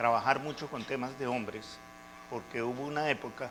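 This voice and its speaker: Here a man speaks at a medium pitch. His pace is fairly slow. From Peru. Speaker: seminar speaker, pastoral worker. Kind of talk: men's seminar talk.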